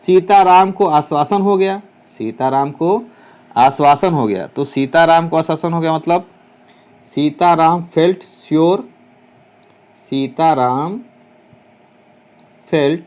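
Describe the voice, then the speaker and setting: A man with a fairly high, darkish voice teaches English translation, explaining Hindi sentences to students. He slowly dictates English phrases, spells words out letter by letter, and sometimes corrects himself as he thinks aloud.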